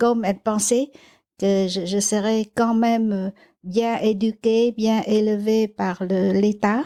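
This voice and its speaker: At a very slow pace, a woman with a Vietnamese accent speaks at a fairly high pitch with monotone, flat intonation and a dark, mellow tone. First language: Vietnamese (speaking French). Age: 70s. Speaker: activist. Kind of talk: interview. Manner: halting, many repetitions.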